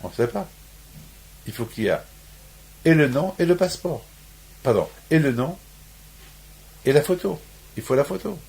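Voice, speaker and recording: A man's voice: on the high side, animated, moderate pace, gravelly, long pauses, a little mellow. A man from Morocco giving a sermon on the weekly Torah portion, restating his points over and over and rising into emphatic peaks. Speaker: rabbi.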